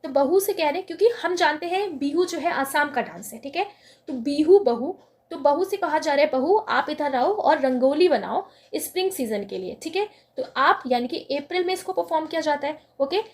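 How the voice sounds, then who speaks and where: A woman with a high, light voice teaches an exam-prep lesson. She talks patiently and step by step, asking the class a question and then answering it herself. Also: lively intonation. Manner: explains slowly, asks and answers her own questions.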